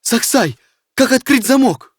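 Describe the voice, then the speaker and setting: A man voicing a brave, earnest young village lad, the hero of an animated fairy tale. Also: very high voice, measured pace, husky, dry recording, clean studio sound, exaggerated voice. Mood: urgent.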